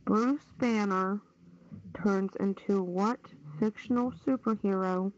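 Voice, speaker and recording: A woman's voice: medium pitch, slow pace, a little mellow. A woman hosting a casual trivia game over online voice chat, reading out questions and answers. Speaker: quiz host. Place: online push-to-talk voice chat. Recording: dull lo-fi voice-chat audio, noisy, clicks.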